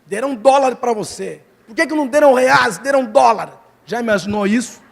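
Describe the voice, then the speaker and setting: A missionary preacher telling a personal story in a sermon, acting out the voices of the people in it. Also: male voice, extremely high pitch, normal speed, gravelly, slight background noise. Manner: animated storytelling, acts out quoted voices. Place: large church hall. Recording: long hall reverb from the church.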